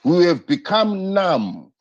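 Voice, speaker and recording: A man's voice: high-pitched, very animated, takes it slowly. A man hosting a political live stream, talking with passion, repeating himself and firing rhetorical questions. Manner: impassioned, repetitive, rhetorical questions. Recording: dull lo-fi stream audio.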